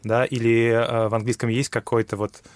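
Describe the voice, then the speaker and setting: A man's voice: medium pitch, flat delivery, normal speed, no room sound. A man explaining how to study a language in a conversation, thinking aloud with many fillers and restarts. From Russia. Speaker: guest, English teacher.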